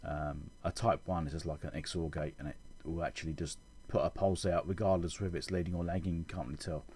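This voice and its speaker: A man giving an informal technical explanation as a channel host, halting and correcting himself as he thinks aloud. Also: low-pitched, steady tone, darkish tone, slight background noise. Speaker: electronics repair channel host.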